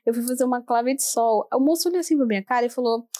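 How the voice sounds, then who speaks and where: A woman's voice: fairly high pitch, quick pace, warm tone, no echo, studio quality. A young woman hosting a casual solo podcast, chatty and self-mocking, swearing now and then. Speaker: podcast host.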